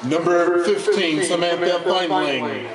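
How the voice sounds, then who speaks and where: A man's voice: high-pitched, takes it slowly. A middle-aged American man working as a public-address announcer, reading out team lineups formally and drawing out the players' names. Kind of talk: announcing softball starting lineups. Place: stadium press box. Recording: echoey, distant mic, loud crowd noise.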